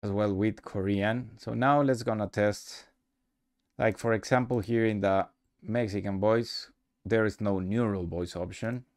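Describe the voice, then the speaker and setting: Low-voiced man, halting tutorial narrator. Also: fairly even intonation, a little mellow, dry recording, studio quality. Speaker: host demonstrating his software. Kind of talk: casual software tutorial narration.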